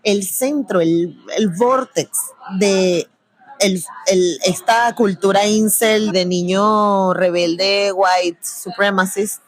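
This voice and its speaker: A young woman speaks with a Venezuelan Spanish accent in a relaxed interview. Her voice sits in a middle pitch. She is chatty and slangy, and she laughs easily. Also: slow. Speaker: guest, producer and antiracism content creator. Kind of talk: casual conversational interview.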